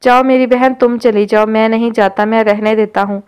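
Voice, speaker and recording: A woman's voice: fairly high pitch, fairly even intonation, a little mellow, clear, resonant tone, lightly acted. A woman reading the lines of an exasperated young man in an audio novel.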